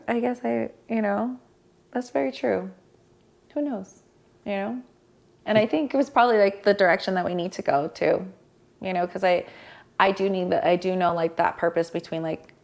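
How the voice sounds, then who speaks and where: A woman's voice: medium pitch, normal speed, gravelly, pauses often, darkish tone. A woman speaking candidly and at length in a casual podcast conversation, rambling a little and laughing often.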